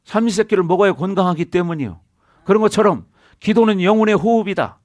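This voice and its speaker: A high-pitched man preaches a sermon, repeatedly prompting his congregation for answers and amens. His voice is captured close and dry, with almost no room sound around it. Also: fast talker, darkish tone, dry recording. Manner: preaching with call-and-response to the congregation. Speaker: senior pastor. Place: church sanctuary.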